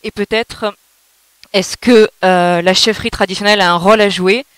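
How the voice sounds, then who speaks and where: A woman's voice: medium pitch, fairly even intonation, moderate pace, smooth, dry recording. A woman speaking from the audience, making an impassioned public remark and putting questions to a panel.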